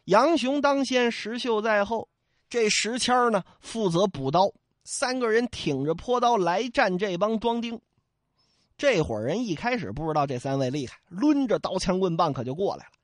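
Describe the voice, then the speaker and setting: A male storyteller telling a classic tale in a lively, colloquial way. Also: high voice, normal speed, dry recording, clean studio sound. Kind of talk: traditional oral storytelling.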